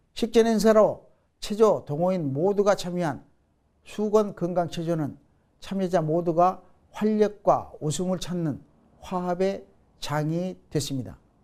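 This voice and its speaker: Very slow and broken by long, frequent pauses, a man's high-pitched voice has a dark, mellow tone and ordinary pitch variation. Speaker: news anchor. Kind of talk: TV news anchor read.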